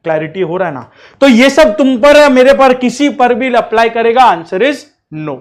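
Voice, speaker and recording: A man gives a classroom law lecture in a fairly high voice. He mixes English legal terms into his speech. He keeps checking that the students are following. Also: lively intonation, normal speed. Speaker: teacher.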